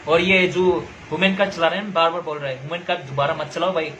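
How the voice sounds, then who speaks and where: This high-ish, bright male voice belongs to a young adult social media commentator from Nagaland, India, who delivers a fast, forceful, angry rant directly to camera. He stays steady in tone while lecturing, confronting the listener, and going over the same points again. The audio is poor, carrying a little hiss or hum.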